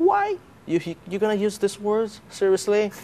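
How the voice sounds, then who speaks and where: A man talks at a high pitch as noticeable background noise carries on behind him. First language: Chinese. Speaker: university student and entrepreneur. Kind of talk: interview. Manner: halting.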